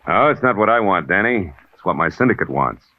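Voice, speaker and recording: An actor playing a smug, needling newspaper columnist with an oily, insinuating manner. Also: male voice, low-pitched, very animated, a little fast. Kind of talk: 1940s radio acting. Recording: thin, phone-like old radio with faint hiss.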